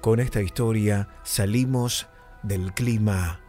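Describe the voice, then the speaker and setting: Casual Argentine radio host. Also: male voice, on the low side, warm tone, faint music behind. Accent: Argentine Spanish. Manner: casual, encouraging, drawn-out phone numbers. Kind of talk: late-night call-in radio chat.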